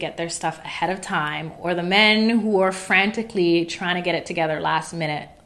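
This woman talks at a moderate pace, her pitch varying in an ordinary way. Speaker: vlogger. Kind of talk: casual storytime chat. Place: home room.

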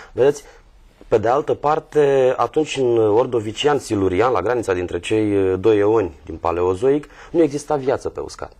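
Lively in intonation, a man speaks at a moderate pace and medium pitch in a dark, mellow tone. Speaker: magazine editor. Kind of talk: educational discussion. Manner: explanatory.

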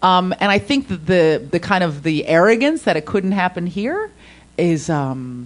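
A woman with a fairly low pitch talks at a moderate pace in a plain, everyday voice. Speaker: podcast guest. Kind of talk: interview answer. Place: stage.

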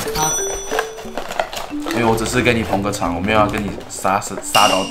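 A man talks at a fairly quick pace over music in the background. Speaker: video host customer. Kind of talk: casual vlog chat. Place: shop. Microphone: camera far.

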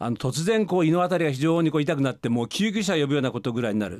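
This man's pitch swings very widely as he speaks very fast. Behind him the background is quiet. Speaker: radio host and medical doctor. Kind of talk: radio talk show. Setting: radio studio. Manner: frequent filler words. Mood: friendly, relaxed. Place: studio. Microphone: studio mic.

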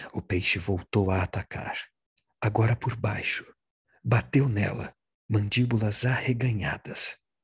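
Somewhat breathy and fairly low in pitch, a man speaks at a fairly slow pace with fairly even intonation and long, frequent pauses. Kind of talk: audiobook narration; reading aloud a thriller, with dialogue lines read in character. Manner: steady, measured narrator pace, tense and suspenseful; unedited reading with occasional repeated words and self-corrections.

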